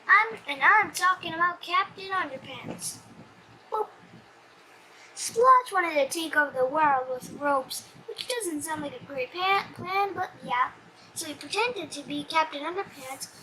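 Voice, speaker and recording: Very high-pitched child reading a story aloud. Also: slight background noise, low-quality recording. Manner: animated, stumbling reader.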